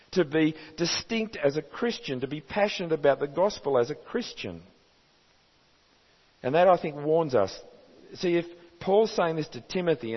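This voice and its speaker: A man's voice: fairly high pitch, breathy edge. An Australian man preaching a sermon as pastor, earnest and emphatic, asking his listeners rhetorical questions. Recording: reverberant hall, dull sound.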